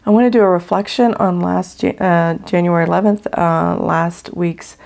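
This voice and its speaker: Raspy middle-aged woman, gravelly and dark. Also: on the low side, fairly even intonation, normal speed. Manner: warm, grateful, chatty with fillers. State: raspy voice after illness. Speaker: faith channel host. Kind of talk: casual chat to viewers. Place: home, at a table. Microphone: overhead camera, speaker off screen.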